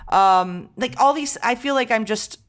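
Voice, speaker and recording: A woman from Venezuela chatting casually on a podcast, telling an animated story and swearing freely, with Spanish phrases mixed in. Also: on the high side, a little slow.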